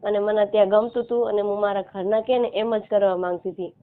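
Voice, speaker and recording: A woman's voice: mid-range voice, steady tone, quick pace, smooth. Gujarati woman caller on a muffled phone line. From Gujarat, India. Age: 30s. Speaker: caller seeking help. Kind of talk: casual phone conversation.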